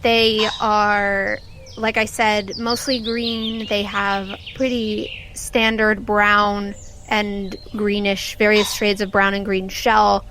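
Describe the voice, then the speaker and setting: A woman hosting as game master of a tabletop audio drama, narrating to listeners over a soft background bed. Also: mid-range voice, flat delivery, slow pace, noisy background. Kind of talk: narrating an actual-play game, then scripted credits.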